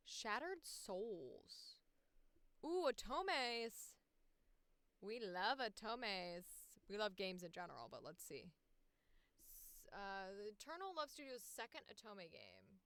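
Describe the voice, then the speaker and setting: A woman's voice: mid-range voice, fairly bright tone, clean tone, dry recording. A woman hosting a casual livestream, thinking aloud as she looks through listings and reads bits out. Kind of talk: casual livestream chat, reviewing audition listings.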